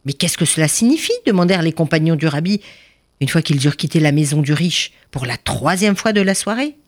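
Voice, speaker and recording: A woman reading a folk tale aloud, expressive, with hesitant fillers here and there. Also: sits low, brisk, dry recording, clean studio sound. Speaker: storyteller.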